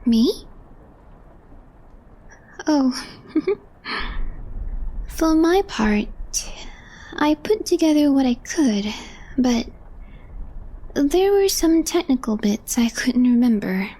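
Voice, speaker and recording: A woman playing a calm, deadpan, quietly mischievous young office coworker in an ASMR roleplay, speaking softly in a hushed, understated way. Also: high-pitched, drawn-out words, pauses often, heavily acted, poor audio. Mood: calm, mildly weary. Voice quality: soft, breathy, hushed.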